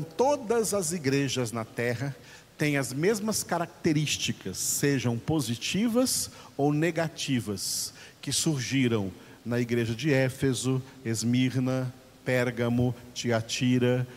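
A man teaching a Bible lesson as a preacher, slow and emphatic, repeating his key points for the congregation. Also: mid-range voice, in a large hall.

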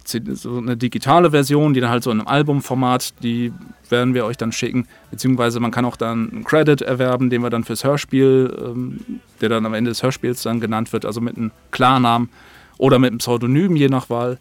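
A man chatting casually as a podcast guest about creative work, speaking in a halting, rambling way and often circling back mid-sentence. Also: mid-range voice, steady tone. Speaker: audio drama creator, interview guest.

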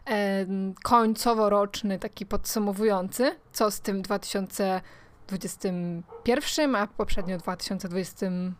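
A woman's voice: medium pitch, steady tone, unhurried. A woman co-hosting a podcast, chatting casually and directly to listeners. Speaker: podcast co-host.

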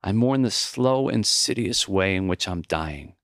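A man voicing a gentle, reflective, dying elderly teacher in an audiobook, speaking earnestly and plainly in measured phrases. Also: fairly low pitch, animated, no room sound, studio quality. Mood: mournful, accepting. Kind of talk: audiobook character voice.

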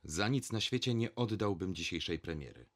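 A naive young gentleman from the provinces, voiced by a male narrator, speaking in a high, hesitant voice. He sounds eager to please. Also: lively intonation, normal speed. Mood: flustered.

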